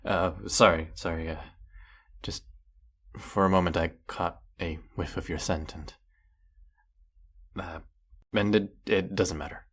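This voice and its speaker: A man playing a centuries-old vampire hunter in an audio roleplay, guilt-ridden and resolute, confiding with halting delivery and heavy pauses. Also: deep voice, fairly even intonation, breathy edge. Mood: apologetic, halting. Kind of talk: dramatic audio roleplay monologue.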